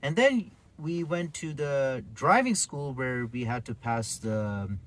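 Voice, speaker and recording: In a slow, animated, medium-pitched voice, a man in his 40s talks conversationally and explains things as a taxi driver might in an interview. He is from Pakistan, grew up in Karachi, and later lived in the UK.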